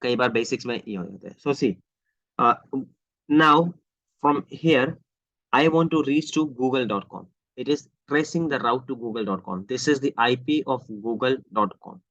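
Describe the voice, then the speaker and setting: A man's voice: medium pitch, fairly quick, fairly bright tone, dry recording. A man with an Indian accent giving a live online technical lesson as an IT trainer, explaining step by step with repeated phrases, some Hindi mixed in and slightly unclear articulation. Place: online screen-share session. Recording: dull, lo-fi close microphone audio.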